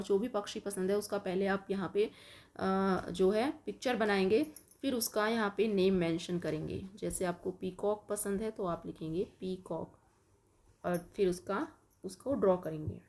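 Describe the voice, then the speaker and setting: A woman teacher with an Indian English accent giving an online lesson to young children, dictating word by word and explaining patiently. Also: medium pitch.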